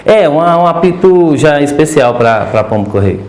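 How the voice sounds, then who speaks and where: A man's voice: fairly high pitch, expressive, normal speed, a little mellow, reverberant. A man with a Minas Gerais accent, a podcast guest who breeds homing pigeons, talking hesitantly with many restarts. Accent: Minas Gerais Portuguese. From Brazil. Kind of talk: casual interview chat.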